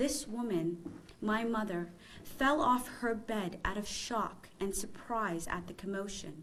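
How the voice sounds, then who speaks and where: A fairly high-pitched woman's voice with lively intonation at a fairly slow pace, amid noticeable background noise and audible room echo. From Toronto, Canada. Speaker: community advocate. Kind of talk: reading aloud.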